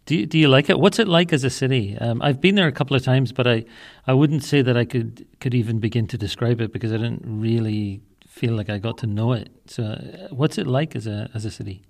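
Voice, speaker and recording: Guy asking questions, kinda gravelly voice, stumbles and repeats himself. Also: medium pitch, a little fast, hardly any pauses. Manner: hesitant, repeats words while asking. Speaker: interviewer. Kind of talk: casual interview questions.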